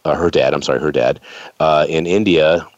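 A man's voice: very deep voice, steady tone, normal speed, dry recording. A man in his fifties, from the United States, hosting an interview in a chatty, rambling way. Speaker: show host. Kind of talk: casual interview chat. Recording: dull lo-fi sound.

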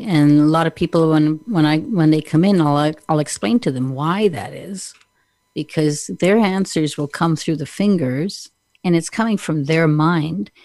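A woman's voice: deep voice, darkish tone, dry recording. A middle-aged woman with a Canadian accent, hosting a casual interview in a chatty, teasing way and laughing often. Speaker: podcast host.

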